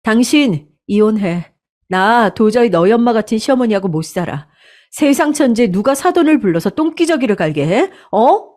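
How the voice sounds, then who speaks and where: A woman voicing a furious young married daughter, shouting indignantly in a storybook drama. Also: high voice, big pitch swings, moderate pace, few pauses, pitched above the performer's own voice.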